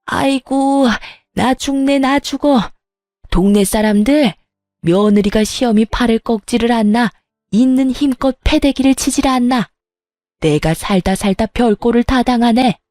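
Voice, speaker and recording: A woman's voice: a little high, unhurried, no echo, studio quality, natural voice. Woman voicing a scornful old mother-in-law. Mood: fake wailing. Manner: scolding, wails loudly when playing the victim. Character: scornful older mother-in-law, bullying and theatrical. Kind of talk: storytelling voice acting.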